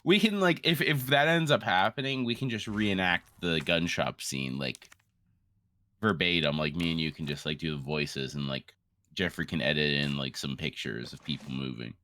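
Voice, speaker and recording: A man's voice: rumbling low, moderate pace, bright, forceful tone, slight background noise. A man co-hosting casual gameplay chat, telling rambling, sweary stories. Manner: rambling, profane storytelling. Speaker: gaming co-host.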